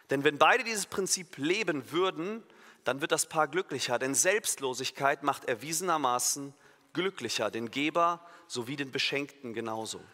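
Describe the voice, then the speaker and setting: A pastor giving a sermon, emphatic and lively, acting out imagined inner voices and now and then correcting himself mid-sentence. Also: male voice, fairly high pitch. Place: church hall. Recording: long reverb of a church hall.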